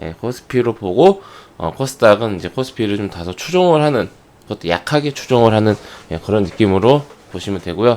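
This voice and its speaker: Speaking quietly at a fairly quick pace, a man with a fairly low pitch uses lively intonation and big swings in loudness on a very clean recording with a silent background. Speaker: stock market commentator. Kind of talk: market analysis talk. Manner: quiet voice, may crack.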